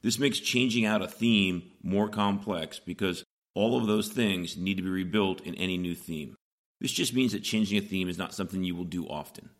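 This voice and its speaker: A middle-aged man hosting a solo podcast, hoarse and raspy, explaining things plainly, step by step, from a small home recording booth. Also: low voice, moderate pace. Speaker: podcast host.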